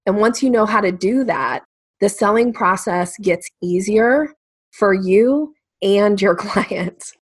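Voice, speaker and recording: A woman's voice: medium pitch, takes it slowly, breathy edge, dry recording. A woman sales coach explaining her method as a podcast guest, conversational and emphatic.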